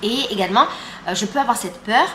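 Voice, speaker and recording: A woman's voice: mid-range voice, expressive, quick pace, pushed and bright, slight background noise. A woman in her thirties from France, chatting casually in a vlog while eating breakfast. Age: 30s. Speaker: YouTuber and guide. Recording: roomy sound with faint ambience.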